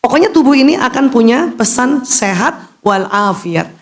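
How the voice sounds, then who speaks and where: A middle-aged woman delivers an animated religious lecture. Her voice jumps high and drops low as she teases her listeners and poses questions only to answer them herself. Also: normal speed. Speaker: Islamic lecturer and doctor.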